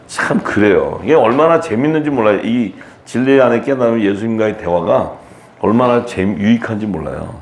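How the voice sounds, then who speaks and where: A man preaching in a chatty, animated seminar style, acting out quotes in a raised voice. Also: on the low side, a little fast, echoey room. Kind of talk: conversational sermon seminar.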